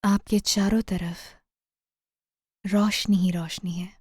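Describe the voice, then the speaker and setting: A woman narrating a guided meditation in a soothing, gentle manner, often trailing off into a near-whisper. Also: medium pitch, steady tone, takes it slowly, husky, dry recording, clean studio sound.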